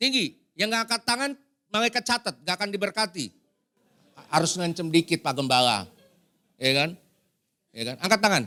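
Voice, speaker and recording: A man shouting, loud, with a bright, sharp tone. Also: dry, close sound with no echo. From Indonesia, Batak (North Sumatra). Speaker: pastor. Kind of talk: sermon. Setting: church with congregation. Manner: loud, shouting; high-pitched.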